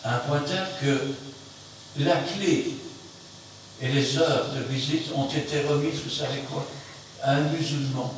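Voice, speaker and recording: A man preaching an emphatic sermon, swinging between loud outbursts and quiet asides. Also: medium pitch, unhurried, pauses often. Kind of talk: fiery sermon. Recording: very echoey room, mic far off, faint noise.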